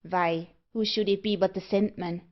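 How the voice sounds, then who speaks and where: A woman voicing a gruff, hearty working-class tinker, a man in a story. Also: fairly low pitch, little pitch movement, unhurried, close to an everyday voice. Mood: gruff surprise. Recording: dull, lo-fi audio.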